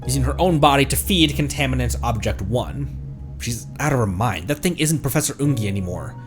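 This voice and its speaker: This livestream host, a male VTuber, talks at a brisk clip in an expressive, medium-pitched voice as music plays. He reads the game's text aloud, reacts casually, and sometimes fumbles a word before correcting himself.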